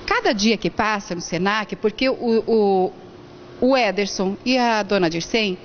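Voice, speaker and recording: A woman's voice: medium pitch, a little slow. A woman in her forties hosts on camera at an indoor school fair, chatty and playful as she turns to viewers. She holds a handheld mic, and the sound is a bit dull. Faint hall noise sits behind her. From Brazil. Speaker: TV variety show host. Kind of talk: on-camera event interview.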